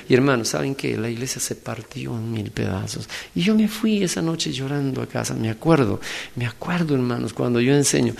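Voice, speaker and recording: A middle-aged man with a Peruvian Spanish accent, preaching a sermon in lively storytelling, swinging from hushed to loud. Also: mid-range voice, vocal fry, big-room sound. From Peru. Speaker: pastor. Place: conference hall.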